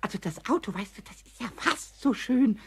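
An actor voicing a small, mischievous, stubborn kobold in a children's audio drama, stammering, whining and repeating words excitedly. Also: mid-range voice, normal speed, slightly rough. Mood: delighted.

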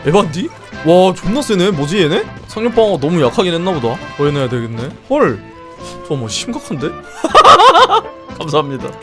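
A man's voice: fairly high pitch, expressive, a little fast, a little mellow, soft background music. A young man commenting on a strategy game as a streamer, exclaiming and swearing casually.

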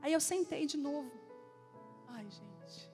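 A woman pastor in her forties preaches from the pulpit, with a high voice. She tells stories and acts out dialogue in lively bursts. Soft music plays faintly behind her. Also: takes it slowly. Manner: animated storytelling with acted-out dialogue. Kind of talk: sermon. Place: church.

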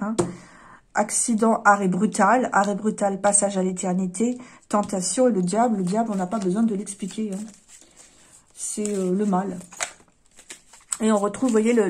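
A woman talks through a tarot card reading in a relaxed, unscripted way. Her voice is husky and a little breathy, and her pitch sits in a middling range. She hesitates often and keeps apologizing as she lays out the cards. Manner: hesitant, apologetic, with frequent fillers and sighs. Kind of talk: casual card-reading monologue.

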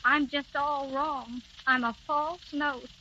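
An actress playing a scatterbrained, well-meaning young wife who chatters to please, in 1930s radio drama style on an old radio broadcast. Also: female voice, high voice, fairly even intonation, takes it slowly, sharp tone, lo-fi sound, slight background noise, heavily acted. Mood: contrite.

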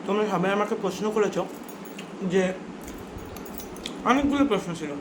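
A woman's voice: medium pitch, normal speed. Woman chatting with her mouth full. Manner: talks while eating, mouth often full. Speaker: vlogger. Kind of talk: casual mukbang chat. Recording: roomy echo, clearly noisy background.

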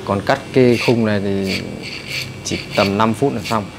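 A man with a Northern Vietnamese accent giving a brisk, chatty hands-on haircut tutorial in a barbershop. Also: fairly low pitch, vocal fry, noisy background. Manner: brisk, chatty, addresses viewers as brothers. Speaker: barber instructor. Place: barbershop indoors.

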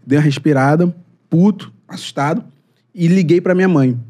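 A man, a podcast guest telling a story in a casual, animated and slangy way, acting out what people said. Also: on the high side, normal speed. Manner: animated, slangy, acts out quotes.

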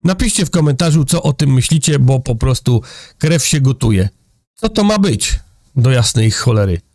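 A man's voice: medium pitch, lively intonation, normal speed, darkish tone, no echo, studio quality. A middle-aged man from Poland giving sarcastic, indignant political commentary to his viewers from a room with a big window. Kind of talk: opinionated news commentary. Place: indoor room with a large window over a city.

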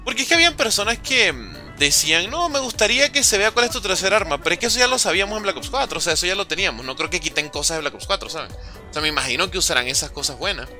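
A young man streaming a game, chatting casually with viewers and calling out their names in an excitable, slangy way. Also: sits high, racing, soft background music. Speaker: gaming livestreamer. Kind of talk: casual livestream chat while playing, reading chat aloud.

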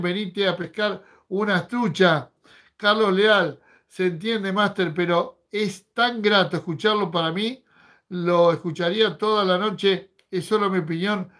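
Argentine guy hosting a fishing live, highish voice, jokey, reads comments out loud. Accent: Rioplatense Argentine Spanish. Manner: chatty, joking, reads comments aloud. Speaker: fishing livestream host. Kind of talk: casual livestream chat reading viewer comments.

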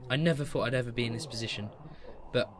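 A man's voice: medium pitch, fast, crowd noise, lightly acted. A young man playing an earnest, loyal student survivor in an audio drama, speaking plainly and sincerely. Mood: earnest resolve. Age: young adult. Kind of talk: amateur audio drama acting. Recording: noisy background ambience.

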